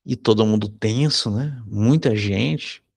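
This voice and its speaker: A Brazilian man, a psychology teacher, telling a personal anecdote in a conversational lesson, often tagging sentences with a quick question. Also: fairly low pitch, creaky, a little mellow. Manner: conversational, frequent tag questions. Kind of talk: anecdote told in a recorded lesson.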